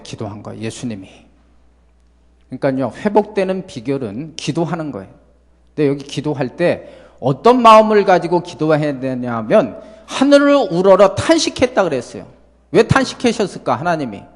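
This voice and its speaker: Lively preaching pastor, man. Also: fairly high pitch, moderate pace, big-room sound. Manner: lively preaching, rhetorical questions to the congregation. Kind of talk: sermon. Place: church sanctuary.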